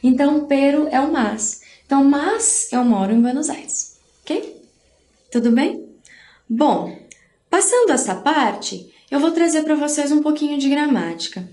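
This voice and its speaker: A woman's voice: sits high, animated, a little slow, warm tone. Patient Brazilian woman teaching, roomy echo. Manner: patient, explanatory, has learners repeat after her. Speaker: Spanish teacher. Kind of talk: recorded video lesson.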